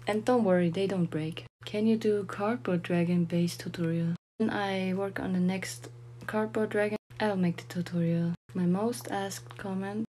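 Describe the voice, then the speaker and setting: A young woman from Austria, a German speaker, calmly answering viewer comments about her paper dragon puppets in plain, slightly halting English. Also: medium pitch.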